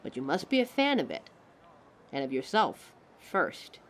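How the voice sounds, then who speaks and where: A woman's voice: deep voice, very animated, unhurried, a little hiss or hum. A woman voicing a living fashion mannequin in a scripted audio roleplay, haughty yet encouraging, with a dramatic, articulate delivery aimed straight at the listener. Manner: theatrical, dramatic, articulate, addresses listener as darling.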